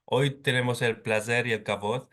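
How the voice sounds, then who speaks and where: A man's voice: mid-range voice, steady tone, normal speed, fairly bright tone. A man hosting an online interview, asking questions and encouraging his guest with frequent short listening sounds. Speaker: host, interviewer. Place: home in London.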